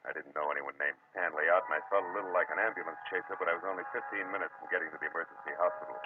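An actor playing a hard-boiled, wry American private detective in a 1940s radio drama, with clipped, sardonic talk. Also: male voice, low voice, fairly even intonation, rapid-fire, phone-quality sound, natural voice. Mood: wry, brisk. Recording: noisy, thin vintage radio recording.

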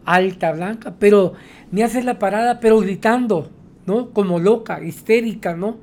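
A man's voice: sits high, normal speed, a little mellow. A man, a taxi driver, telling his stories in a rambling way, tagging his sentences with "¿no?". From Mexico. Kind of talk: storytelling interview.

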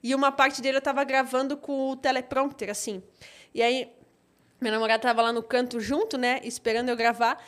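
A woman's voice: high-pitched, little pitch movement, fairly quick, fairly bright tone. A young woman, a content creator, chatting casually as an interview guest, talkative and full of fillers.

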